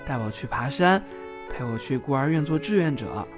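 A man's voice: mid-range voice, expressive, normal speed, over music, lightly acted. A man playing a sweet, bashful, teasing young gay man in an audio drama. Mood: tender.

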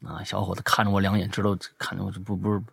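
A man hosting a casual chat show, telling stories in an animated, emphatic way. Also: low voice, rapid-fire, gravelly, slightly rough, no echo, clean studio sound.

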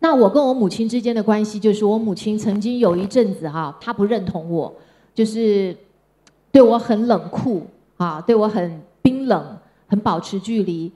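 A middle-aged woman from Taiwan, giving a personal storytelling talk in a gentle, conversational way. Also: medium pitch, normal speed. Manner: gentle, conversational, with soft sentence-end particles. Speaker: speaker. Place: stage before an audience.

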